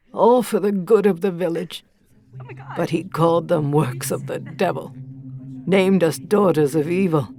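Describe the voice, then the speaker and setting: A woman playing an accused village healer, bitter and defiant, narrating a horror audio drama gravely and deliberately in a creaky voice. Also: fairly low pitch, darkish tone. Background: faint music.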